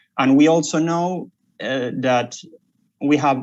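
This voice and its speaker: With a Spanish accent, a man talks in a fairly high pitch with fairly even intonation. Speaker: symposium speaker. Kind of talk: conference presentation. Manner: halting, many repetitions and fillers.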